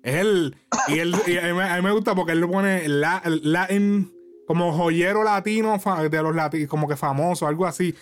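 A man hosting a casual chat, animated and laughing often, mixing in English. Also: high voice, moderate pace. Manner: animated, laughing, code-switching. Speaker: podcast host.

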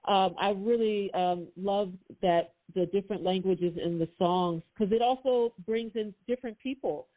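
A woman's voice: mid-range voice, moderate pace. A woman hosting an interview, speaking in a chatty, enthusiastic way. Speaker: host. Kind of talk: casual interview chat. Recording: tinny phone line.

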